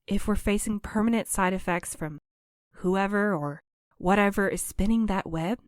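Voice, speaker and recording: A woman's voice: medium pitch, moderate pace, dry recording, studio quality, lightly acted. A woman playing an earnest, reserved courier in an audio drama, choosing her words carefully and diplomatically. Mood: earnest, pleading. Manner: careful, formal, conciliatory. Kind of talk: audio fiction acting.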